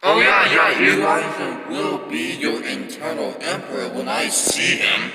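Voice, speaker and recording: An actor playing a menacing, taunting demon villain with a theatrical, grandiose delivery in fan cartoon cutscenes. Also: male voice, fairly high pitch, sing-song, measured pace, vocal fry, bright, forceful tone, faint music behind, full character voice. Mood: scheming, bitter. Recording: roomy, long reverb.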